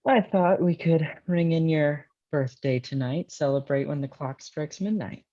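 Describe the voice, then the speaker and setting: A man's voice: a little high, unhurried, warm tone, no echo, highs cut off, close to an everyday voice. An actor playing an eager, tender young laborer courting his sweetheart in a screenplay table read. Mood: tender, playful.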